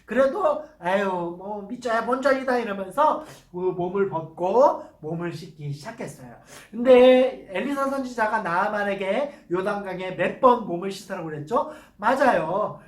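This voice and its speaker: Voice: medium pitch, lively intonation, moderate pace, hardly any pauses. A preacher telling a Bible story to young children in church, exclaiming and asking the kids questions along the way. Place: church worship room. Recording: roomy hall, voice from a distance.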